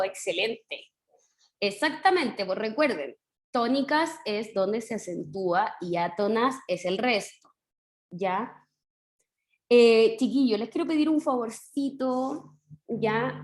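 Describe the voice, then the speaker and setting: A woman whose voice is on the high side teaches an online primary class over a video call, heard in an echoey room. Her Chilean accent comes through as she patiently encourages the children and draws out syllables while explaining.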